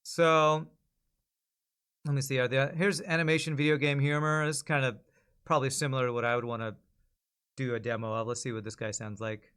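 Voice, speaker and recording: A man's voice: medium pitch, flat delivery, fairly quick, long pauses, a bit bright. A man hosting a livestream, chatting informally and thinking aloud to his viewers. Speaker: livestream host. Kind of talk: casual chat to stream viewers.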